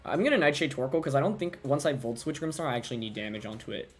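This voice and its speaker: With a medium-pitched, racing voice, a young man provides live commentary on his competitive video game battle. Soft music plays behind him as he reasons aloud and doubts his own plays.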